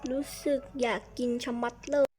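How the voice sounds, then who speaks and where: A woman's voice: moderate pace, a little mellow, faint music behind. A woman chatting playfully through a game role-play, hopping between little characters.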